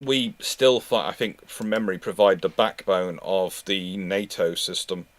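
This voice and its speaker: A man answering history questions live in an informal way, thinking aloud in a halting, discursive manner. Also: low voice, fairly even intonation, no room sound.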